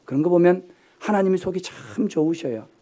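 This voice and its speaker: High-voiced Korean pastor preaching. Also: male voice, a little fast, warm tone. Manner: dynamic preaching, rising to emphatic high exhortations then dropping low; conversational asides with rhetorical questions to the congregation. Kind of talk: sermon.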